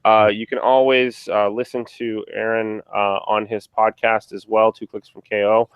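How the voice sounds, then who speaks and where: A man hosting a casual podcast chat about a tabletop game, relaxed and rambling, with many fillers and restarts. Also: on the low side, moderate pace, smooth, no echo, lo-fi sound. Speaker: podcast host.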